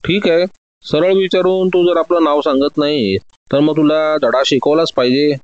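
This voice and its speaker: A man reading a calm, shrewd detective. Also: fairly high pitch, no room sound, muffled recording, natural voice. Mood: coolly probing. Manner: measured, soothing persuasion.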